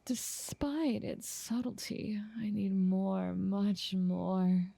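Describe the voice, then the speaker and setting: A woman playing a doting, possessive noble vampire in an ASMR roleplay, speaking softly and coaxingly in genteel words, often slipping into a whisper, close to the mic. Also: medium pitch, vocal fry, no room sound, full character voice. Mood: savoring, hungry. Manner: slow, soothing, coaxing, genteel wording. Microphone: close, dry microphone.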